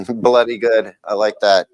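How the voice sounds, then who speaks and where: Brief: low-voiced man, wry and self-mocking, casual panel banter, dry close mic. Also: steady tone, unhurried, dry recording. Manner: wry, joking, self-deprecating. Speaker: TV shootout panelist. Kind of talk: casual livestream chat. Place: TV viewing room.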